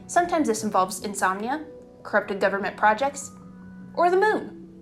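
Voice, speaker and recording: A woman's voice: mid-range voice, sing-song, normal speed. A woman hosting and narrating a scripted video essay in a conversational way, leaning into dramatic emphasis. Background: background music.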